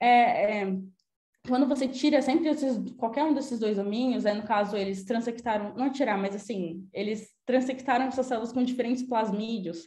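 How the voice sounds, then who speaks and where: Ordinary pitch variation and a dark, mellow tone, delivered at a moderate pace. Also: woman, fairly high pitch for a woman. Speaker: medical and PhD student presenter. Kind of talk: journal club presentation. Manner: halting, many fillers and repetitions.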